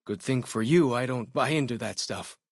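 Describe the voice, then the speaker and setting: A man's voice: medium pitch, moderate pace, dry recording, clean studio sound, lightly acted. A man playing a friendly, curious young tribal scout and guide in a video game, chatty and folksy. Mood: informative, easygoing. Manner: folksy, chatty, inquisitive, easygoing phrasing. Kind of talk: video game companion dialogue.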